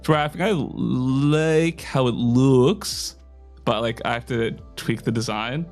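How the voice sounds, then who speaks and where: Slightly hoarse young man streaming. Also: medium pitch, slow, a little mellow, soft background music. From Australia. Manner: rambling and self-deprecating, full of fillers. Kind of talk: casual live-stream chat.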